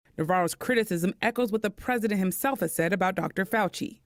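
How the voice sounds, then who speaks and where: Here a woman talks at a fairly quick pace. She has an unremarkable speaking voice with ordinary pitch variation. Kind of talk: news report voiceover.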